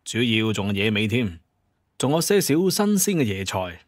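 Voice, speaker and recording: A man's voice: fairly low pitch, sing-song, normal speed, dry recording. Male storyteller, dry close recording. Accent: Hong Kong or Guangdong Cantonese. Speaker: narrator. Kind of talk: colloquial scripted story narration.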